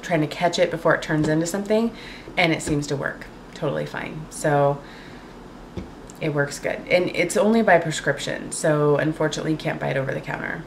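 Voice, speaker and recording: A woman vlogging casually to camera at home, chatty and full of fillers, her voice a little raspy from a cold. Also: low-pitched, fairly quick, slight background noise. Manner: chatty, lots of fillers and likes. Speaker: beauty vlogger. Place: home, indoors.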